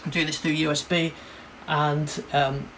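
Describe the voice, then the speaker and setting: A man giving a casual, hands-on synthesizer demo, explaining informally and a little haltingly as he works. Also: on the high side, little pitch movement, fairly bright tone, slight background noise. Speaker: synthesizer demonstrator and reviewer. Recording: synthesizer music behind the voice. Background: synthesizer sounds and music.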